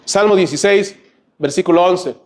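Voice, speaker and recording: A Peruvian man preaches from the pulpit of a church, speaking in a somewhat high voice. He talks to the congregation in a chatty way, checking in with little asides between his points. The pastor keeps it plain and direct. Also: normal speed. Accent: Peruvian Spanish. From Peru. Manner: conversational preaching, frequent "¿ve?" and "¿no?" asides. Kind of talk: sermon. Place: church sanctuary.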